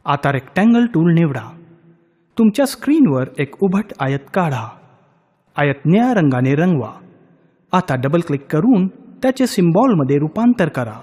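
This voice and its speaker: A man's voice: fairly high pitch, a little mellow, slightly rough. A man reads a scripted instructional voice-over, guiding listeners step by step. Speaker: e-learning tutorial narrator. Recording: long reverberant hall echo.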